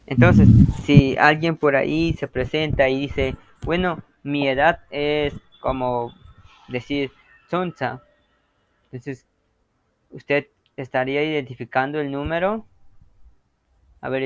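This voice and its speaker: A man's voice: medium pitch, steady tone, measured pace, pauses often, clean tone, no room sound, muffled recording. A man teaching an interactive language lesson, patiently explaining and often checking that students follow.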